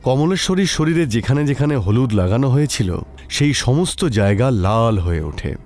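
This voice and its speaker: একজন পুরুষ কথক লিখিত ভূতের গল্প পাঠ করছেন।. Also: male voice, mid-range voice, big pitch swings, moderate pace, darkish tone. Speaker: narrator. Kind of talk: scripted horror story narration.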